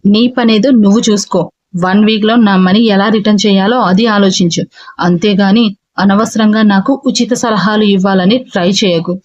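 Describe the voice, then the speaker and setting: A man's voice: high-pitched, fairly even intonation, normal speed, dry recording, dull audio, natural voice. A woman voicing a stern, cold-tempered male boss who gives curt, dismissive commands in a storybook reading.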